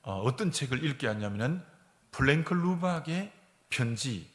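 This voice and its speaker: Fervent Korean preacher with a lively voice. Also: male voice, mid-range voice, normal speed. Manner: storytelling preacher, acts out voices, swings from hushed to fervent. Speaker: pastor. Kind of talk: sermon. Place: church sanctuary. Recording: long reverb of a church sanctuary.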